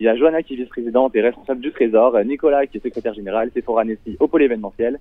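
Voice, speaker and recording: Delivered at a very fast pace, the speech carries ordinary pitch variation. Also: man. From eastern France, Nancy. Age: 20s. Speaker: medical student, student association president. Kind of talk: radio interview.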